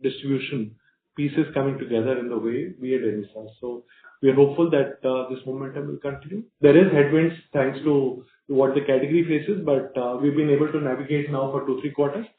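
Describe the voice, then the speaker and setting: A man's voice: medium pitch, steady tone, slight background noise. Executive man on a roomy conference line. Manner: halting, measured corporate delivery. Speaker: company executive answering analysts. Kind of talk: earnings call answers. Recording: roomy, band-limited conference phone line.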